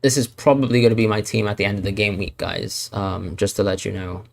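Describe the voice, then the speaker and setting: A man's voice: on the low side, steady tone, fairly quick, vocal fry. A man from Hong Kong hosting a live Q&A stream, thinking aloud and hedging, with frequent fillers and restarts. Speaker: fantasy football streamer. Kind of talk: live Q&A stream answering chat.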